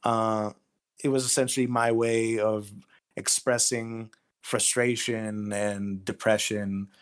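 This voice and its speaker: A man's voice: fairly low pitch, little pitch movement, slow, clean tone. Hesitant male writer chatting casually. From Greece. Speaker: guest writer of audio horror stories. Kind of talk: casual interview chat.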